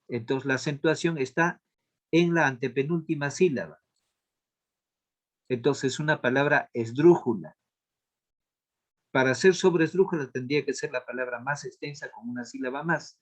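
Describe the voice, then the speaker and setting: Man teaching a spelling lesson. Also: mid-range voice. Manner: explains step by step, repeats key points. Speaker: language teacher. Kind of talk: classroom lesson on accent marks.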